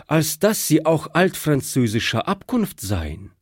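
A man's voice: a little high, sing-song, measured pace, husky, dry recording, clean studio sound, voice pushed up, exaggerated voice. A man voicing a young German prisoner of war who speaks politely and thoughtfully. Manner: polite, apologetic.

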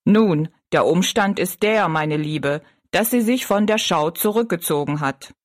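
A woman's voice: fairly low pitch, no echo, clean studio sound, lightly acted. A woman voicing a tall, thin, dignified male circus giant who speaks with courtly politeness. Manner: courtly and slow, bowing politeness.

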